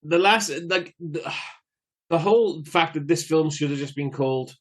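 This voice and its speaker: A man's voice: on the high side, unhurried. Blunt British man reading film trivia. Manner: blunt, reads trivia aloud, swears casually. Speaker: podcast co-host. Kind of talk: casual film podcast chat.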